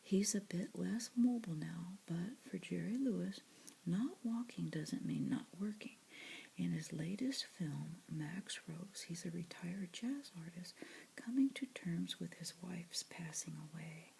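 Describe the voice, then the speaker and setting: Woman, close-mic ASMR whisperer reading news aloud, low, gravelly, faint hiss behind. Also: expressive, a little slow, poor audio. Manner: soft whisper with asides.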